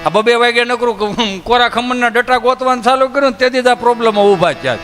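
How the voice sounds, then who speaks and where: A man tells rural jokes as a folk comedian in a high-pitched voice. His tone is bright and ringing. The sound carries a long hall echo, with faint music under it. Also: brisk. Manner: acts out villagers' voices in his tales. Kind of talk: Gujarati folk comedy storytelling on stage.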